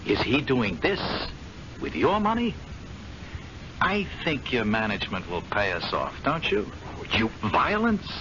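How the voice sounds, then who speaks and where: A gloating blackmailer, lively. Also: male voice, fairly low pitch, unhurried. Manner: silky, gloating, amused. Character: smooth, sneering male gambling-club blackmailer. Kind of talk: 1970s radio drama acting. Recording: lo-fi vintage radio with clear hiss.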